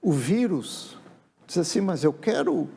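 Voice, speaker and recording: A man's voice: fairly high pitch, big pitch swings, unhurried, gravelly, dark tone, a little hiss or hum. A man, a writer telling stories reflectively in a casual TV interview. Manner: reflective, with frequent tag questions. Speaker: writer and guest. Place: TV studio.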